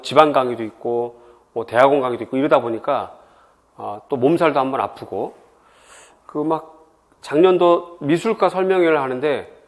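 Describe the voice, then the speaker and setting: A middle-aged man from Seoul giving an exam prep info session, chatty and full of personal stories. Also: medium pitch. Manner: lively, chatty, tells personal anecdotes. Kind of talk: admissions info session lecture.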